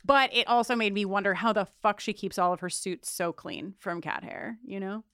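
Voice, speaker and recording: A woman's voice: mid-range voice, normal speed, a bit bright, smooth, dry recording, clean studio sound. A woman co-hosting a podcast, chatting casually and playfully, often laughing. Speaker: podcast co-host. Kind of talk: casual chat.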